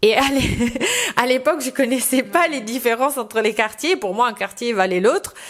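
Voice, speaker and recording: A woman speaks with a high pitch. Background noise is noticeable. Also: ordinary pitch variation, moderate pace. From Italy. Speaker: interviewee, beauty blogger. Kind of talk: interview.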